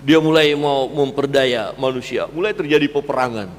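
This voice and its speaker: A man's voice: moderate pace, slight background noise. Emphatic preaching man in echoing hall. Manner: animated preaching, rising to loud emphatic peaks then dropping low. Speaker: pastor. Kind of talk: sermon. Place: church hall.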